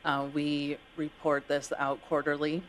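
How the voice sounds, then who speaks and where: A female staff member giving a measured explanation in response to a question at a public meeting. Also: deep voice, level tone, slight background noise, low-quality recording.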